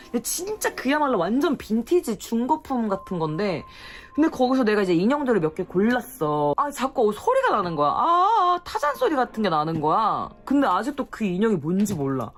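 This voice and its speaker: A young woman chattily telling a true ghost story, acting out the gasps and voices of the people she describes. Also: medium pitch. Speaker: YouTube storyteller. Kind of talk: casual spoken ghost story.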